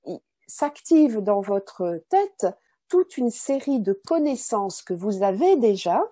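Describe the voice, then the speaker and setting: Mellow-voiced woman lecturing. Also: medium pitch, husky, no echo. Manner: didactic, repeats key words and checks understanding with tags. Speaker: language teaching researcher giving a lecture. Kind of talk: explanatory lecture, semi-spontaneous.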